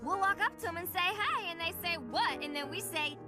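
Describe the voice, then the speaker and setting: A very high, cocky young girl from a cartoon swaggers through tough-guy talk. Her delivery is brash and mock-menacing, with loud music underneath. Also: expressive, brisk. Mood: swaggering. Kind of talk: cartoon voice acting.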